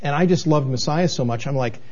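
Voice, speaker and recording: A man in his sixties from New England tells his story in an earnest, meandering way, stopping to restart his sentences. His voice is mellow and dark. The recording sounds a little dull and muffled. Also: on the high side, fairly quick. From New England, United States. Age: 60s. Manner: earnest, rambling, with many restarts and fillers. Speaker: television station manager, guest. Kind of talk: candid interview conversation.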